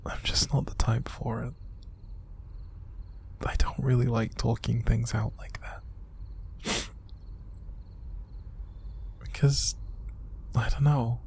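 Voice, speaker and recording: A man acting an upset, exhausted young man in an intimate audio roleplay, speaking in a hushed, halting, breathy and gravelly voice. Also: mid-range voice, little pitch movement, whispered, close to an everyday voice. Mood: tearful, defensive. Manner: halting, sighing, hushed, naturalistic delivery. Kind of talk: intimate audio roleplay monologue to an unseen listener.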